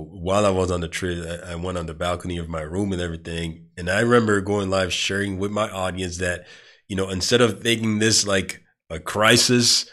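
Man, very deep voice, congested, podcast host, rambling casual talk. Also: fairly bright tone. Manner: rambling, frequent fillers and restarts. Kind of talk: casual monologue.

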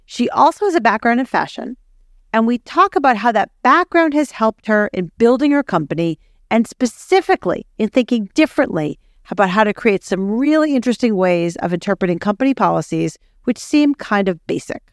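A woman's voice: on the high side, lively intonation, brisk, no room sound, studio quality. A woman speaking as a podcast host and interviewer. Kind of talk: scripted podcast introduction and interview.

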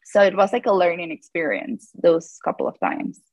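A woman's voice: on the low side, big pitch swings, moderate pace, darkish tone, no room sound. Hesitant woman in her thirties. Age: 30s. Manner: hesitant, lots of fillers and restarts, laughs often. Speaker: guest, yoga teacher. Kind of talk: casual live-call interview.

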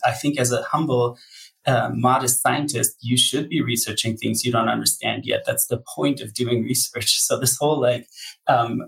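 A man with a gravelly edge talks through his research in an interview. He hedges and restarts often, filling pauses with ums, but stays candid. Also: medium pitch, a bit bright, low-quality recording. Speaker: psychology researcher guest. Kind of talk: thoughtful interview answers.

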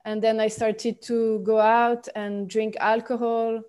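A young woman from Switzerland speaks English with a Swiss French accent, pausing often and restarting her sentences. Her voice is mellow and her pitch stays level. She talks slowly as a podcast guest. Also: level tone, clear, resonant tone. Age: 20s. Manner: halting, many fillers and restarts. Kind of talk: podcast interview.

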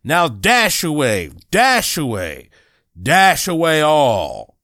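A man voicing a jolly old Saint Nicholas from a storybook poem, calling out in booming, drawn-out exclamations. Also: wildly swooping pitch, a bit bright, no echo, clean studio sound, exaggerated voice. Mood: rousing, commanding.

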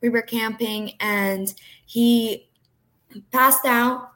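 Woman, young adult, New Jersey accent, Portuguese first language, somewhat high pitch, earnest, lots of ums. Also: steady tone, very slow, fairly bright tone, rough recording. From Brazil. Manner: earnest, frequent "um" fillers. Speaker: health insurance agent, guest. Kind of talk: podcast interview, personal story.

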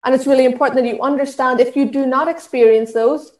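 A woman's voice: high-pitched, steady tone, fast, roomy sound, low-quality recording. A woman with an Irish accent giving an earnest training talk on allyship, with frequent fillers and restarts. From Ireland. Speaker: diversity and inclusion trainer. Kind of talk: talk at an online session.

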